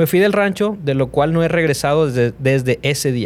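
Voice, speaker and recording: A man speaks with a fairly high pitch. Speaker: podcast co-host. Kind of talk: reading aloud. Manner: halting, stumbles while reading.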